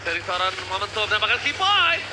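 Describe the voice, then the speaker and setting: An Indonesian-accented man working as an esports caster, giving excited, dramatic and emphatic play-by-play commentary. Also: sits high, brisk, noisy background. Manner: dramatic, emphatic, asks and answers own questions.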